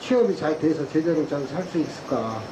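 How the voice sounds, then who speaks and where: Lively intonation carries a man's voice at a moderate pace over noticeable background noise. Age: 60s. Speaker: union branch leader. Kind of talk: public rally talk. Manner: halting.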